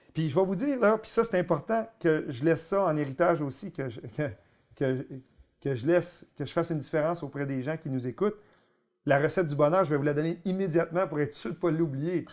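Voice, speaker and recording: Fairly high male voice with a Quebec accent, animated tone and ordinary pitch variation, at a fairly quick pace, on a very clean recording with a silent background. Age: 40s. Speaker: motivational speaker. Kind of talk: interview.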